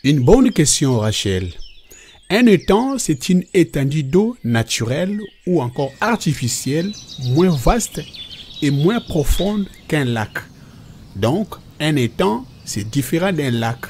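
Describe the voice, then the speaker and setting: A man playing a patient father in a Christian children's cartoon, explaining things step by step in a husky voice. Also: on the high side, big pitch swings, takes it slowly, darkish tone, slight background noise, heavily acted. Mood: patient, instructive. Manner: didactic, explains definitions step by step.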